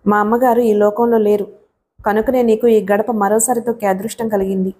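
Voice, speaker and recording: Audiobook: woman reading a cold, vengeful husband, heavy and taunting, mellow tone. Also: medium pitch, flat delivery, fairly quick, close to an everyday voice. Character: bitter, menacing, vengeful husband.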